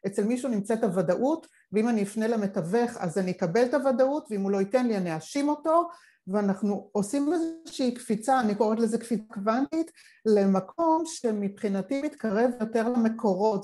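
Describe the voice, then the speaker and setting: A woman's voice: a little high, dark tone. A woman speaking reflectively and expansively in an online panel discussion, talking over a video call from her living room. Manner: reflective, expansive, thinking aloud. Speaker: panel participant.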